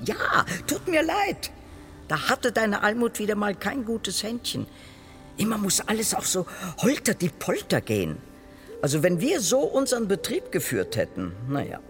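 A bitter, reproachful dead parent. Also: male voice, high voice, gravelly, a bit bright, exaggerated voice. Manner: reproachful, sneering. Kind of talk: radio play monologue.

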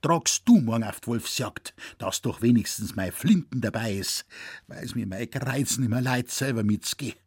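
A man's voice: mid-range voice, normal speed, husky, dry recording. A man voicing an older, stooped Bavarian hunter in a raised, quavering voice, complaining about his back and gushing with thanks. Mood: earnest. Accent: Bavarian dialect. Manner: complaining, then effusive and excited. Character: stooped old Bavarian hunter, frail and lamenting.

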